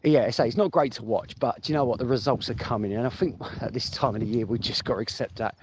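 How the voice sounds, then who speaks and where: A man with a medium-pitched voice talks fast, reacting informally to football as he chats and thinks aloud, repeating phrases for emphasis. It's a casual voice note for a fan podcast, sent as a phone voice message that sounds muffled and lo-fi, with noise and clicks.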